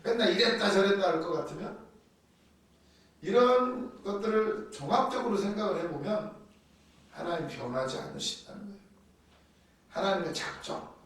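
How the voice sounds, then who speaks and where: A man preaching a sermon, telling Bible stories in a lively way and acting out the quotes. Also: sits high, normal speed, pauses often. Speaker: pastor. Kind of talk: sermon teaching on doctrine. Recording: echoey hall from far off.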